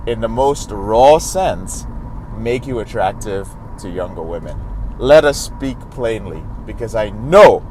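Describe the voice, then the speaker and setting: A man's voice: fairly low pitch, darkish tone, slight background noise, low-quality recording. A man working as a recovery coach, giving earnest, direct advice to camera and calling his listeners brothers.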